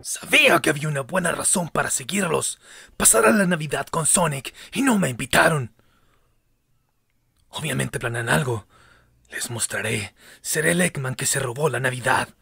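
A scheming cartoon villain, acted by a man with a harsh, gravelly rasp. He gloats theatrically over his plans, and the sound is forceful and very dry. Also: a little high, animated, moderate pace, no room sound, heavily acted. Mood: scheming, gloating. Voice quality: gravelly, raspy.

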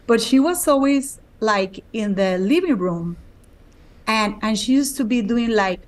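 A woman with a fairly high voice and a Costa Rican Spanish accent speaks as an interview guest. Spanish is her first language, and her English is slightly imperfect. She tells her story warmly over a webcam from a bright room at home. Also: expressive, measured pace. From Costa Rica. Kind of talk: interview testimony. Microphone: webcam video call.

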